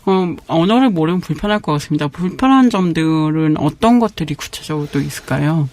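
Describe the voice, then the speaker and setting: A man's voice: fairly high pitch, lively intonation, brisk, a little mellow. A man hosting a broadcast interview, asking questions in polite, formal speech. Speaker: interviewer, programme host.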